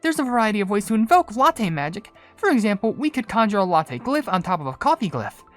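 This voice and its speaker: A woman's voice: mid-range voice, sing-song, fast talker, soft background music, natural voice. A woman voicing a friendly, bubbly young female wizard in cartoon game dialogue. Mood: cheerful, friendly.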